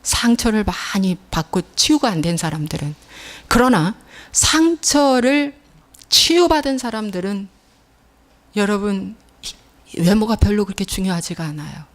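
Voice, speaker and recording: A woman's voice: medium pitch, expressive, a little slow. A middle-aged woman pastor preaching a sermon in a church, telling stories emphatically and acting out the scolding voices she quotes.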